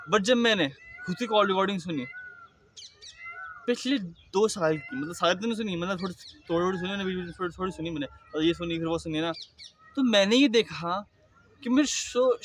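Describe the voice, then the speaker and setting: Young man with a high throaty voice. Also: fairly bright tone, slight background noise. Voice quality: throaty, slightly thick voice. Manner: speaks slowly and deliberately, with occasional stammers. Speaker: vlogger. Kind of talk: casual personal vlog monologue.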